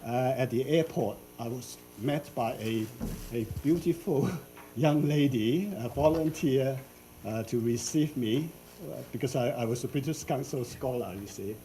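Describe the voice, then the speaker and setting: An older man from Hong Kong delivers an academic lecture at an unhurried pace, often pausing on fillers and restarting his sentences. His voice is warm and mellow. A faint background hiss sits under the room. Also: medium pitch, low-quality recording. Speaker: invited professor giving a symposium talk. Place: lecture hall.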